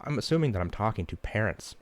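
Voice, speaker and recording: A man's voice: lowish voice, expressive, fast talker. A man hosting his own fitness podcast as a coach, talking in a blunt, fired-up way and swearing casually. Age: young adult to middle-aged parent. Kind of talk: casual solo podcast monologue.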